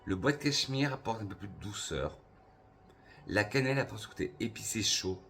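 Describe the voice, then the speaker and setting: A man from France reviewing perfumes for his channel in a casual, enthusiastic way, slowly listing notes with pauses. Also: on the low side, expressive, vocal fry, fairly bright tone. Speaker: perfume youtuber.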